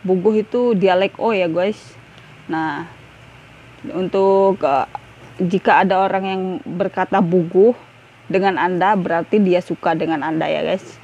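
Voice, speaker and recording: A woman's voice: on the low side, a little slow, darkish tone, muffled recording. Chatty young woman teaching vocabulary. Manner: chatty, repeats "ya guys", many fillers. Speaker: language tutor. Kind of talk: casual video lesson.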